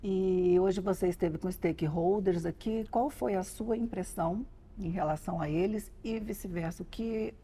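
A woman's voice: mid-range voice, normal speed, warm tone, slightly rough. A Brazilian woman in her forties interviewing conversationally, often repeating words as she forms her questions. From Goiás, Brazil. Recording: faint ambient noise behind speech.

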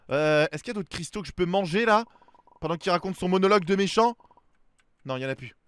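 A young man giving excited let's play commentary, exclaiming and talking to himself as he reacts. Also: sits high, quick pace, smooth, dry recording. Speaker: gaming video host.

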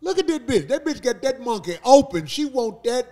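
A man hosting a studio talk show, joking loudly and profanely with his co-hosts. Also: very high voice, normal speed. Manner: profane, loud joking, animated. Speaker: podcast host. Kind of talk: crude comedic banter. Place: studio around a table.

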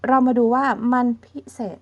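A woman with a Thai accent teaching a German grammar lesson online, repeating words slowly and checking in with her students. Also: lo-fi sound. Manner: drills words by repeating them, checks in with "remember?".

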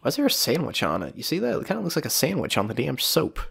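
A man's voice: a little high, wildly swooping pitch, fast talker, creaky, fairly bright tone, husky. A man with a cold, sniffling as he chats casually and rambles while playing a video game. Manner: rambling, chatty, swears casually. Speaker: gameplay commentator. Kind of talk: casual let's play commentary.

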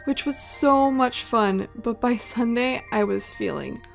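A woman's voice: on the high side, lively intonation, unhurried, gravelly, over music. A woman narrating her vlog in a chatty, playful voice-over. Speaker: vlogger. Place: home voice-over recording.

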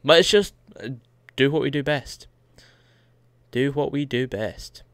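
A man's voice: mid-range voice, measured pace, clean tone, no echo. A young man casually commentating a strategy game, rambling and correcting himself, his nose a little blocked. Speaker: let's play host.

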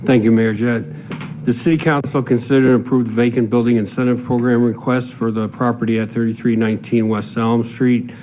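A man serving as a city director, reading a staff report to the council in a flat, measured way. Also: mid-range voice. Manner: flat, measured, reads figures aloud. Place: large city council chamber, indoors. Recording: tinny, phone-like sound with faint room noise.

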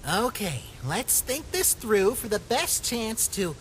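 A woman's voice: a little high, sing-song, takes it slowly, heavy background noise. A woman voicing an anxious, protective talking flower in a comic dub, earnest and cautioning. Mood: careful.

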